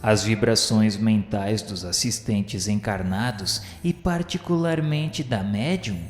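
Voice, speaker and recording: A man's voice: fairly low pitch, slow. A man narrating a radio novel in a solemn, formal, declamatory manner. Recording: echoey hall reverb with music behind. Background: music.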